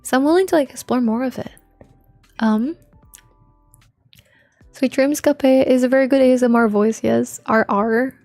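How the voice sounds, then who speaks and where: A woman livestreamer with a soft, quiet voice, chatting informally and playfully with viewers and swearing now and then. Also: normal speed, long pauses, no echo. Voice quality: soft, low-volume voice, unlike their usual loud one. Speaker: live streamer. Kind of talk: casual livestream chat with viewers. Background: faint music.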